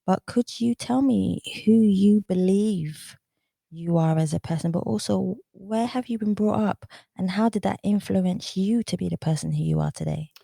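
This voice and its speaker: A woman's voice: medium pitch, moderate pace, gravelly, mellow, no room sound, clean studio sound. A woman hosting a podcast interview, earnest and effusive as she asks her guest questions. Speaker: podcast host.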